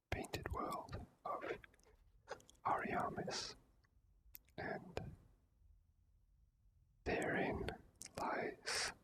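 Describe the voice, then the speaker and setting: An ASMR gaming host giving casual, drawn-out gameplay commentary in whispers. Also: poor audio.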